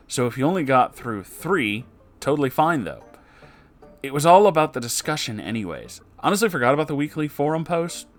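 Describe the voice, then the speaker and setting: A man with a mid-pitched voice hosts a casual story reading over music. He is animated and sarcastic, dropping exasperated, sweary asides into the narration as he goes. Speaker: host reading listener-submitted stories aloud with reactions. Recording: music behind the voice.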